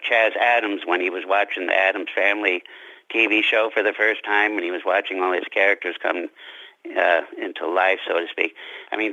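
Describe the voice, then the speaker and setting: A man speaking as a guest author in an interview, reflective and halting, often restarting his sentences. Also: low voice, gravelly, bright, forceful tone. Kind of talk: interview conversation. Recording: dull lo-fi radio-like sound.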